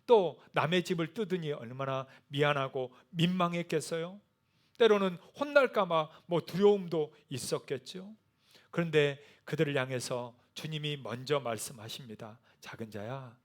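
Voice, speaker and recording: A middle-aged man preaching a sermon as pastor, moving between soft, near-whispered words of comfort and loud, rising appeals to the congregation. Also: a little high, normal speed.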